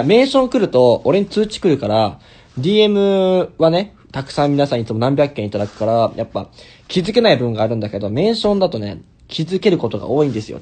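Casting: Japanese man in his twenties, Kansai accent, mid-pitched, casual livestream host reading comments close to his phone. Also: warm tone, husky. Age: 20s. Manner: chatty, switches into simple English phrases. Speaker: stage actor hosting a livestream. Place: small indoor bedroom or hotel room. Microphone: phone held close while lying on a bed.

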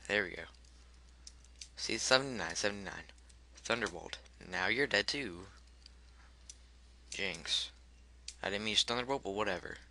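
A man's voice: sits low, pushed and bright. Irritated man cursing through gameplay. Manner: frustrated, swearing at the game, muttering menu choices. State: voice cracking. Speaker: gameplay commentator. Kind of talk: let's play commentary.

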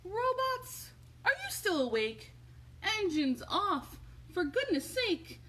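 A woman's voice: very high-pitched, very animated, slow pace, sharp tone, pitched above the performer's own voice, exaggerated voice. A woman voicing a sleepy, exasperated little boy from a storybook, emphatically scolding and pleading. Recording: home recording with faint background noise.

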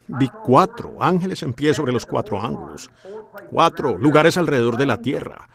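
A man preaching a dubbed sermon in a fervent, exhorting way. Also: medium pitch.

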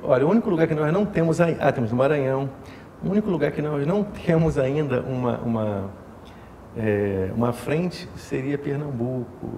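Gravelly, mellow-voiced man from Rio. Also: mid-range voice. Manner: thoughtful, many fillers and tag questions. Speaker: umbanda house leader, guest. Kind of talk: explanatory interview talk. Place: indoor temple room with altar. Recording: echoey room with faint hiss.

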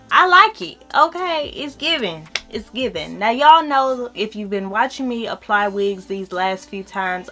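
A woman's voice: mid-range voice, a bit bright. Sassy young American woman vlogging. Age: young adult. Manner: sassy, playful slang and repeated affirmations. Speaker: beauty vlogger. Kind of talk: casual chatty product review to camera. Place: small indoor room with shelves.

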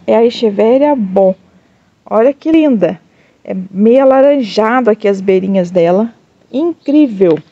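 A Brazilian woman showing off her succulents in a casual vlog, gushing over each plant and speaking warmly to her viewers. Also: a little high, creaky, no echo, lo-fi sound. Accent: Brazilian Portuguese. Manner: gushing, addresses viewers as "gente", coos over plants with diminutives. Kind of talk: casual show-and-tell vlog.

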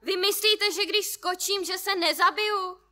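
A woman reading aloud as a stubborn middle-aged man who shouts defiantly down from a balcony. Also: very high voice, voice pushed up. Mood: defiant shouting.

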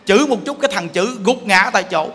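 Male monk, high bright voice, lively joking sermon, long reverb of a temple hall. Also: quick pace. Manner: animated, colloquial, joking with listeners. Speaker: Buddhist monk teacher. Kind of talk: dharma talk sermon.

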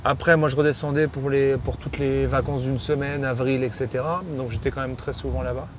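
A man's voice: mid-range voice, little pitch movement, a little fast. A man from the Paris area in his thirties, a music producer, chatting easily in a car. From Paris region, France. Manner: easygoing, chimes in and corrects. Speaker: electronic music producer, guest. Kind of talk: casual chat. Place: inside a car on city streets. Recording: faint road noise.

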